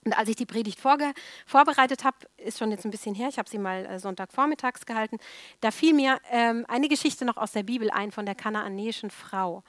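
A woman's voice: on the high side, fairly quick, no echo. A woman preaching a sermon emphatically, repeating key words for stress.

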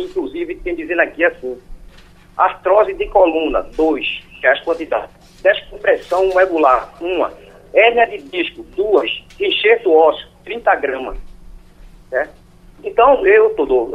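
A man, calling in with a halting, pleading question that repeats itself. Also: sits high, husky. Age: 60s. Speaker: caller. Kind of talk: phone-in question. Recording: phone line.

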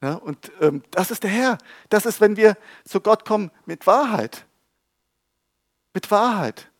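A man delivers a sermon in a casual, animated way, teasing his audience and firing rhetorical questions at them. His voice sits a little on the high side. The sound is close and dry, with almost no room echo. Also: unhurried. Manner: lively, conversational preaching with humor and rhetorical questions. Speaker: preacher. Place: church hall with a live audience.

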